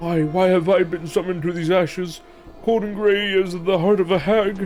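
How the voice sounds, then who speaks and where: A put-on character voice at a moderate pace over clear music in the background. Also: man, high pitch for a man. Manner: ghostly, eerie.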